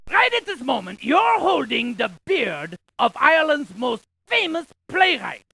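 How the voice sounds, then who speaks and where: High, creaky, animated game scientist. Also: exaggerated voice, low-quality recording. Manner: animated, folksy, quippy asides. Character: chatty scientist sharing landmark trivia with a player. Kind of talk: scripted educational video game character dialogue.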